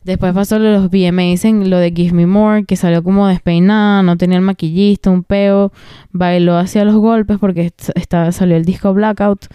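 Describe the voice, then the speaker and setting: Mellow-voiced woman podcaster. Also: medium pitch, fairly even intonation, normal speed, clean tone, dry recording. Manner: emphatic and slangy, drops in English phrases. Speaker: podcast host. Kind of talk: casual podcast commentary.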